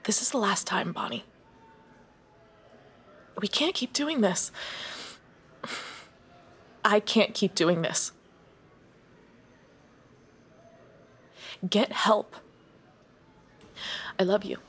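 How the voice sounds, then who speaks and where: A woman's voice: medium pitch, animated, takes it slowly, long pauses, a bit bright, husky, heavily acted. An actress playing a bitter, worn-out woman visiting her accused friend, speaking in a curt, resentful way. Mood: weary.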